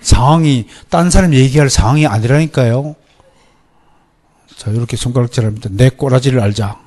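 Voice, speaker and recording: A middle-aged male pastor with a Gyeongsang accent, preaching a sermon lecture in a lively, animated way, often mimicking others. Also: mid-range voice, normal speed. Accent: Gyeongsang Korean. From Gyeongsang region, Korea. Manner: lively, animated, mimics people in quoted voices.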